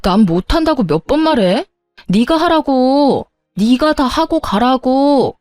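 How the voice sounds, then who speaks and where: A spoiled, entitled sister-in-law, played by a woman, bickering in a whiny, indignant voice pitched a bit high. The sound is dry and close, with faint music running beneath. It fits a dramatized family-feud story reading. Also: animated, slow, darkish tone, dry recording.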